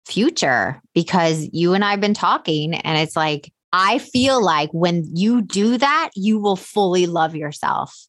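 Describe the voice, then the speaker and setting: A woman hosts an interview, effusive and direct, urging her guest along with pointed questions. Her voice sits slightly low. The recording is close and dry. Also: lively intonation, a little slow, hardly any pauses, a bit bright, dry recording. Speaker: host. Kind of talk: encouraging interview host.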